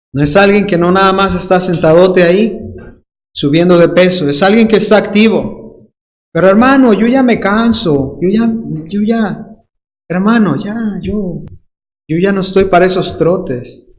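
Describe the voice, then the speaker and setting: With long, frequent pauses, a man speaks at a fairly slow pace in a high pitch with ordinary pitch variation, and the room echo is audible. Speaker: preacher. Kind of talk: sermon.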